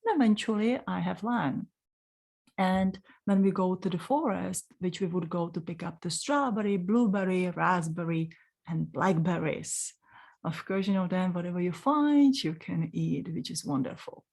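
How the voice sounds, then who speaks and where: A woman in her forties with a Czech accent, telling a personal story in a gentle, unhurried way and speaking directly to the listener. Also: on the low side, vocal fry. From Czech Republic. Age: 40s. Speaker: spiritual channeler.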